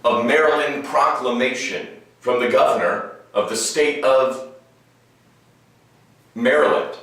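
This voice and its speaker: Man, mid pitch, theatrical formal reading, very echoey distant recording. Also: slow pace, fairly bright tone. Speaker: actor. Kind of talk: comic dramatic reading of a formal proclamation. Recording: very echoey room, distant mic.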